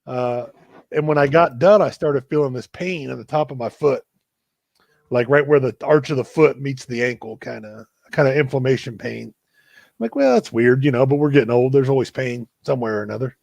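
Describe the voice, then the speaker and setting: Brief: male host, gravelly voice, dry close sound, easygoing storyteller on a video call. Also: medium pitch, normal speed, dry recording. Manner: relaxed, self-deprecating storyteller. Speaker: running coach and show host. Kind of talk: casual storytelling in a live video chat.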